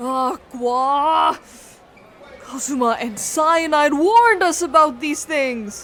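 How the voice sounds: In a cartoonish character voice, the speaker goes at a very slow pace. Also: woman, high pitch for a woman.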